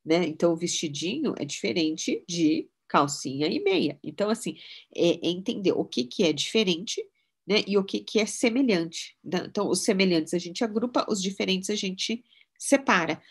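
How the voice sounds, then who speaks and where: A middle-aged woman teaching in a loose, conversational way. Her voice sits fairly low, and she keeps tagging her sentences with little questions as she mixes personal stories into the lesson. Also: normal speed, slightly rough. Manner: chatty, relaxed, often adds "né?" tags. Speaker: mind-mapping instructor. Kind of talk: casual teaching talk with personal anecdotes.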